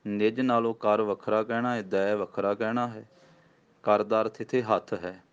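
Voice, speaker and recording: Man, patient scripture recitation teacher, low smooth voice, dull lo-fi sound. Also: steady tone. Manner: patient, slow spelled-out recitation. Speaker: Gurbani pronunciation teacher. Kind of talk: recitation lesson.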